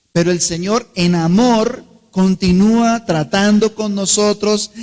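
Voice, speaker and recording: A man with a high, voice delivers a sermon as a pastor. He leans on key words, stretching them out, and keeps turning to the congregation with quick questions. His voice carries a long reverb through a large church hall.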